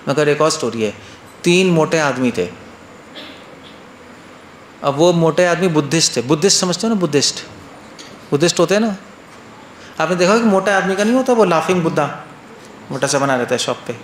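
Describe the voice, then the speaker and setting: A man who is a monk, telling a story in a casual sermon, often checking that his listeners follow and repeating phrases. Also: a little high. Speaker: monk and spiritual teacher. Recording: roomy echo, faint noise.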